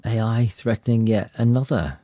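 Mellow-voiced male news anchor. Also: lowish voice, moderate pace, dry recording. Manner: casual, chatty links between segments.

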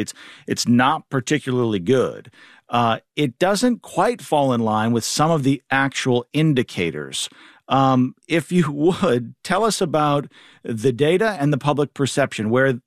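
A man moderating a radio panel discussion. He asks long, casual, rambling questions and often restarts his sentences. His voice sits at a middling pitch, and the recording is close and dry. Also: no room sound. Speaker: radio talk show host.

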